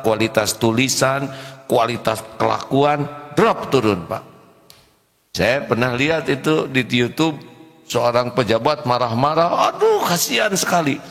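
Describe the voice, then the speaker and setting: A man's voice: medium pitch, a bit bright. A male preacher giving a humorous religious lecture, often acting out scolding voices in quotes. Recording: echoey hall.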